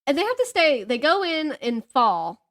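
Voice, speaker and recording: A woman chatting casually as a podcast co-host, telling stories in an animated way and acting out what people said. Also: high voice, normal speed. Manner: animated storyteller who acts out reported dialogue and jokes at herself. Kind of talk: casual chat, storytelling.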